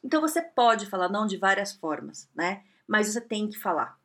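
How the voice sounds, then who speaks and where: A woman's voice: medium pitch, very animated, a little fast, fairly bright tone. A woman giving casual, chatty advice and acting out little dialogues. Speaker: advice giver.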